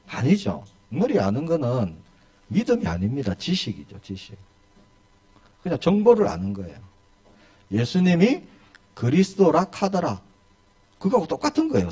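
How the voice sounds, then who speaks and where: A man's voice: fairly high pitch, huge pitch swings, moderate pace, long pauses, dark tone. A male pastor preaching a sermon in a church, asking his congregation one rhetorical question after another.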